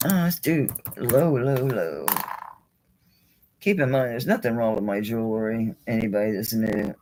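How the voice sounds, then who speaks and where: This online jewelry seller has a mellow bass voice with lively intonation and a moderate pace, though the recording quality is low. Hosting her live auction in a casual, chatty manner, she laughs often and talks to herself as she handles each item.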